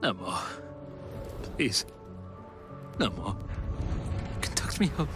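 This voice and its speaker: A man playing a frightened, remorseful old miser in an audio drama, with halting, theatrical, pleading delivery. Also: medium pitch, sing-song, over music. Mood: anguished, pleading.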